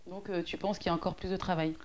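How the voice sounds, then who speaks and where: A woman's voice: on the low side, fairly even intonation, fast, a little hiss or hum. A woman hosting an interview, playful and enthusiastic, often laughing between questions. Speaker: interview host.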